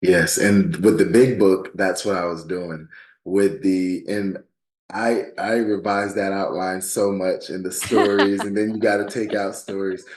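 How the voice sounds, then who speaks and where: Fairly even intonation and a fairly slow pace come through in this American accent. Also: man, fairly low pitch for a man. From US South, southwest Florida. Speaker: wrestling coach and author. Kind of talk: podcast interview. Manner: halting, many fillers.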